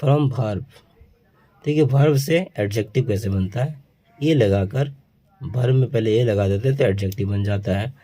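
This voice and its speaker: A man teaching word formation, slowly reading out word pairs one by one. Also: fairly low pitch, dark tone, low-quality recording. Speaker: English teacher. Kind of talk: explaining word formation to students.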